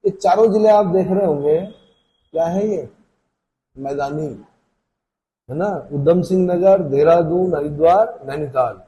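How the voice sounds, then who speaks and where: A man's voice: a little high, unhurried, pauses often, dark tone, dull audio, a little hiss or hum. A man teaching an exam-prep class, lecturing casually and asking questions that he answers himself. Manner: conversational, asks questions and answers them himself.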